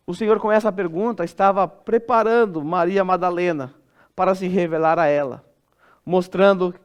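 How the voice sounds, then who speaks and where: A Brazilian Portuguese-accented man preaches an expository sermon in a church, his voice sitting fairly high for a man. He preaches expressively, sinking to a soft, low tone whenever he acts out a parent comforting a child. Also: smooth. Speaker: pastor.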